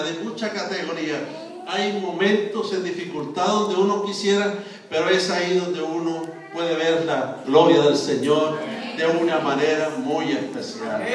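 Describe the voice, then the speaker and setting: Preaching man, echoey hall. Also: sits high. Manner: testimony with frequent "Gloria al Señor" exclamations. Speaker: pastor. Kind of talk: sermon. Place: church hall. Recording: echoey hall from far off with congregation.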